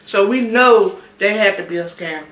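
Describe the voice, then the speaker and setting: A woman's voice: mid-range voice, moderate pace, a bit bright, echoey room. A woman, chatting casually on her eating vlog and telling a story with frequent laughs. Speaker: mukbang vlogger. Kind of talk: casual chat while eating.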